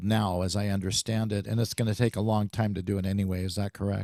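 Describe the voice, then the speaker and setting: Recorded very cleanly with a silent background and a dry, close sound with no echo, a man speaks at a fairly quick pace in an unremarkable speaking voice, fairly low in pitch. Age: 60s. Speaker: robotics club member asking questions. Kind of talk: audience Q&A.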